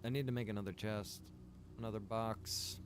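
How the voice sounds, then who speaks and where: A man livestreaming a survival roleplay game, chatting casually and informally as he thinks out loud. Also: lowish voice, fairly even intonation, moderate pace, background noise. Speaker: game livestreamer and server developer.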